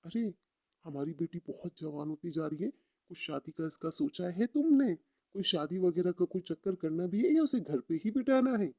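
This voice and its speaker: A woman's voice: lowish voice, lively intonation, moderate pace, dark tone, no room sound, voice pushed down. A woman voicing a rich, practical, doting middle-aged father in a story, blunt and coaxing. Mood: concerned, blunt.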